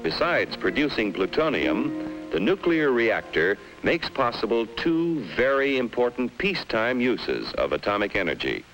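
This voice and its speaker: An American man narrating a scripted 1950s educational film in an emphatic, dramatic manner with deliberate pauses. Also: medium pitch, sing-song, a bit bright, faint music behind, low-quality recording.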